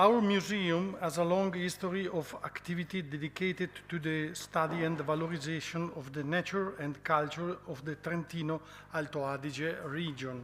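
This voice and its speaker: Over noticeable background noise, a man with an Italian accent talks at a moderate pace in a high pitch with fairly even intonation. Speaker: museum foundation president. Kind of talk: prepared welcome speech. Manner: halting, reading prepared text.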